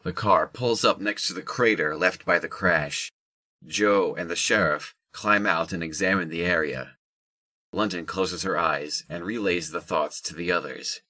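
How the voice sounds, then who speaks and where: A man's voice: deep voice, unhurried, pushed and bright, no room sound. A man narrating a scripted audio drama.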